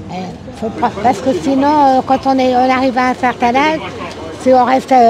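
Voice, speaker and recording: With crowd noise in the background, a woman speaks at a high pitch and a moderate pace. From Normandy, France. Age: 80s+. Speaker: passer-by interviewed. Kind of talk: street interview.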